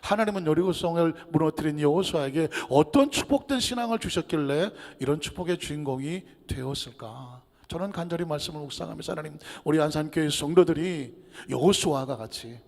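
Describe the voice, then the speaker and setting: A man's voice: on the high side, a little fast, vocal fry, hardly any pauses, a little mellow. A man preaching a Sunday sermon as pastor, telling a story and asking the congregation questions. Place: church sanctuary. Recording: long hall reverb in a church.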